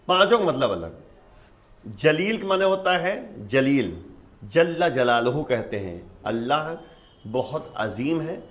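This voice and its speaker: A man's voice: mid-range voice, big pitch swings, fairly bright tone. Patient man explaining religious teaching. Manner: patient, explains step by step with repeated examples. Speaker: Islamic scholar.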